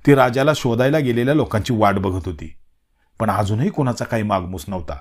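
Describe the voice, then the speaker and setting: A man narrating a village story in a steady, measured reading. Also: fairly low pitch.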